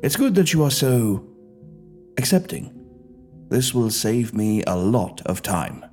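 A man voicing a courteous, amicable elderly gentleman who greets the newly dead in an audio story, with a gentle and soothing manner. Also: lowish voice, very animated, takes it slowly, faint music behind, exaggerated voice. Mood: reassuring. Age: older.

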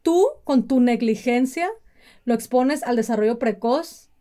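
A woman's voice: fairly high pitch, unhurried, dark tone. A woman, co-hosting a casual chat about parenting and acting out quoted parents in a mocking voice. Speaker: podcast co-host.

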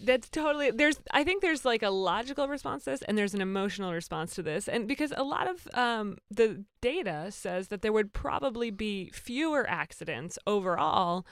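A woman co-hosting a panel discussion, chatty and lively, quick to joke. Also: medium pitch, smooth, no echo.

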